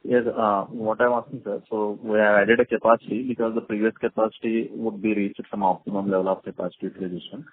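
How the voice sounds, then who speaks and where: A man's voice: fairly low pitch, little pitch movement, fast, few pauses, husky. A man with an Indian accent, politely and somewhat hesitantly asking questions as a caller on an investor call. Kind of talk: question and answer. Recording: thin, dry phone line.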